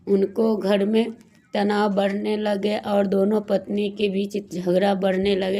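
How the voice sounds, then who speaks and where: Hoarse woman w a cold, chatting thru a devotional story, slow and flat, calls everyone friends. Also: mid-range voice. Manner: rambling, with many restarts and fillers; addresses viewers as friends. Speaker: devotional YouTuber.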